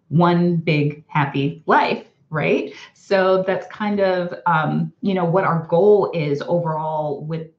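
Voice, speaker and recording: A woman's voice: lowish voice, darkish tone. Young woman chatting on a livestream, upbeat, roomy dull sound. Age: young adult. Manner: chatty, upbeat, greets viewers by name. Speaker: vlog co-host. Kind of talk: casual live-stream chat. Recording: roomy, slightly dull live-stream audio.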